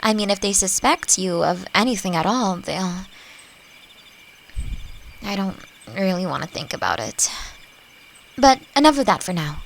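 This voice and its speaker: A woman playing a friendly, playfully teasing elf who teaches magic, speaking gently and reflectively in a roleplay audio drama. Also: medium pitch, very animated, measured pace, creaky, pauses often, slight background noise. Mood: concerned, then eager, curious. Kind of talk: scripted roleplay audio drama addressed to the listener.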